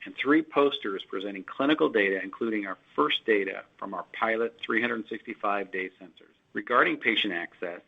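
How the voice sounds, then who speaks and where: A man, a company executive, reading prepared earnings call remarks in a steady, formal way with occasional slips, heard over dull lo-fi conference call audio. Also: on the low side, vocal fry, breathy edge.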